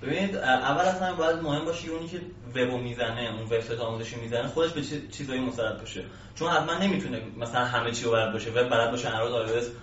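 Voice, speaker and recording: A man's voice: medium pitch, hardly any pauses, fairly bright tone. Guy with explaining stuff casually in an interview, muffled, roomy echo. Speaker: programming instructor, interview guest. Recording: echoey distant mic, muffled, faint hiss.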